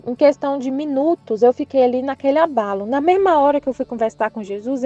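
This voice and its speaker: Earnest Brazilian woman, halting spiritual reflection. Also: high voice. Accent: Brazilian Portuguese. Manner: earnest, rambling, with frequent restarts and hesitations. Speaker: Catholic channel presenter. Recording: dull lo-fi sound with soft background music.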